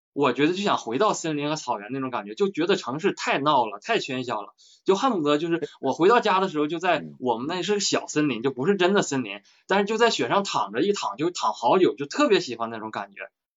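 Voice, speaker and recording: Speaking with a Heilongjiang accent, a man talks at a very fast pace and a fairly high pitch. His pitch swings very widely. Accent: Heilongjiang (northeastern Mandarin). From northeast China. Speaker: listener asking questions. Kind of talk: casual chat.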